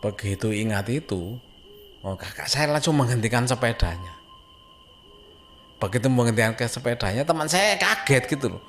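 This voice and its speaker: A man from a Javanese-speaking village in Indonesia narrates a horror story informally, with an East Javanese Indonesian accent. His mid-range voice is expressive and fairly bright, at a moderate pace with long pauses; he is conversational and suspenseful, repeating phrases for emphasis, with slight background noise.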